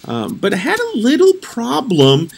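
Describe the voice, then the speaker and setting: A middle-aged man with an extremely high, creaky voice and huge pitch swings talks a little slowly in his casual, upbeat RV vlog, peppered with fillers and voice-over. He holds a phone at arm's length, starting in a car and moving outdoors by an RV, with background music underneath and slight background noise.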